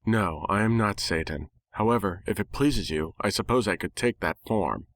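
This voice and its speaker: A man acts out a magical talking bird, a posh and feminine creature of a storybook world. She speaks formally and imperiously, pitched up from a male register, and takes offence easily. The sound is dry and close. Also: moderate pace, no echo, close to an everyday voice. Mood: regal, condescending. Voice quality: soft, feminine. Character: haughty, regal female magical talking bird, easily affronted.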